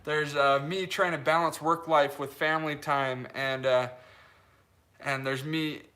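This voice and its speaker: A man in his late twenties from Utah talks through a casual live stream, answering viewer comments as they come. His voice sits a little high and sounds bright. He rambles with plenty of fillers and restarts and laughs easily. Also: steady tone, unhurried. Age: 20s. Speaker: leatherworker hosting a live stream.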